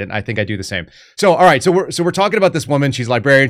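Lively intonation carries this man's speech. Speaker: podcast host. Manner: fast talker.

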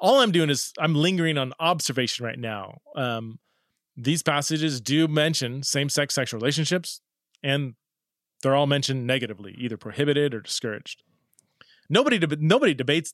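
A man speaks in an unremarkable speaking voice at a fairly quick pace, his fairly high pitch moving with ordinary variation, in a dry, close sound with no echo. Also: quiet background. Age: 40s. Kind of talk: solo podcast monologue on theology. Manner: casual with frequent fillers and self-restarts.

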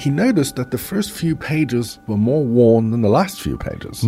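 Music plays in the background while a man speaks at a moderate pace. His medium-pitched voice has lively intonation. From Cape Town, South Africa. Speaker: business school associate professor.

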